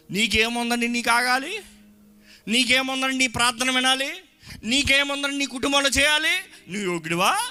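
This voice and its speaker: A man preaching a lively sermon to his congregation in a church, shouting at times and mixing in English phrases. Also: sits high. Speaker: pastor. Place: church hall.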